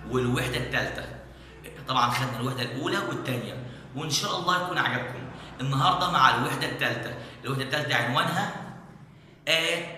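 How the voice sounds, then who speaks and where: A man with an Egyptian accent teaching an English lesson, rushing through explanations and drawing out each English word slowly and repeating it. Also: mid-range voice, sharp tone, very echoey, long reverb tail, slight background noise. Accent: Egyptian Arabic. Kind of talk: recorded classroom lesson in Egyptian Arabic.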